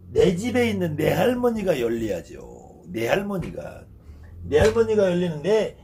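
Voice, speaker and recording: A man's voice: sits high, a little mellow. A man in his fifties, a shaman teacher, lecturing on ritual in an emphatic way, repeating key words and asking rhetorical questions. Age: 50s.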